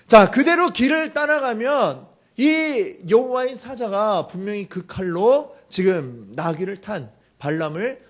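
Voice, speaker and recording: A male pastor delivers a storytelling sermon, animated and dramatic, asking rhetorical questions of the congregation. His voice sits high and moves through a wide, lively range.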